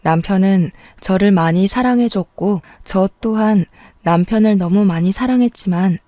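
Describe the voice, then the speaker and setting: A woman narrating a personal story in a calm, sometimes sarcastic scripted reading. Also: medium pitch, no room sound.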